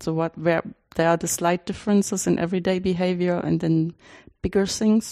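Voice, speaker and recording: Against a quiet background, a woman with a German accent speaks fairly quickly at a fairly low pitch, her dark, mellow tone held in a monotone, flat intonation. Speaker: podcast host, mathematician. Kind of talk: interview conversation.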